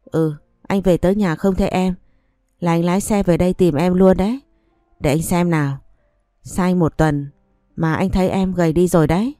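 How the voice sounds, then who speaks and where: A woman's voice: lowish voice, moderate pace, no room sound, studio quality, soft background music, natural voice. A woman reading a story aloud, voicing a stern young husband who speaks to his wife in a cold, accusing way. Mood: tender. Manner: cold, accusing, flatly reproachful.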